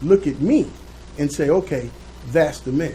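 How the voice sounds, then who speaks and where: A man talks at a moderate pace while noticeable background noise plays underneath. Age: 60s. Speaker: former mayor and politician. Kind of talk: radio interview. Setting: radio studio. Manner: animated.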